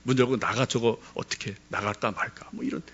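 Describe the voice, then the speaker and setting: A man's voice: medium pitch, brisk, fairly bright tone, husky, lo-fi sound. A middle-aged male pastor giving a sermon, telling a personal story and putting questions straight to the congregation.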